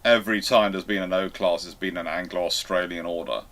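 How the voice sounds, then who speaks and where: A man's voice: low-pitched, steady tone, fairly quick, a bit bright. A man hosting a casual live panel discussion and answering questions in a conversational way. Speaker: host of a live naval history Q&A. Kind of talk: casual livestream panel chat.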